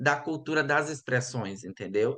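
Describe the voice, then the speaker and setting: The man has a bright, sharp tone. His voice is fairly high in pitch. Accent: Maranhão. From Maranhão, Brazil. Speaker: linguistics researcher. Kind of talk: academic panel discussion. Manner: halting.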